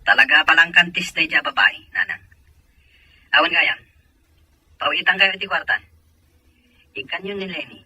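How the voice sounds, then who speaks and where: An earnest soldier son with a Filipino accent played by a man, calling home in an audio drama. His voice is husky yet very sharp and dry, through a telephone effect. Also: fairly high pitch, normal speed, long pauses, no room sound, exaggerated voice, rough recording. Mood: pressing. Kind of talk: Ilocano audio drama acting.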